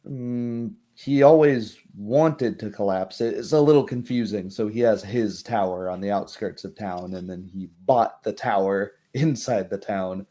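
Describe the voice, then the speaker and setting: A plain-spoken townswoman in a roleplaying game, acted by a man. The voice is soft-edged and unhurried. Each phrase comes out guarded and hesitant, as if carefully weighed. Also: on the low side, natural voice. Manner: hesitant, measured, picking words carefully. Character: guarded, plain-spoken townswoman talking over local mysteries.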